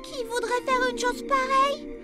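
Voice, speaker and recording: Caring little girl, extremely high voice, earnest manner, children's cartoon, prominent music. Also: level tone, moderate pace. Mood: puzzled. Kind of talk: French-dubbed children's cartoon acting.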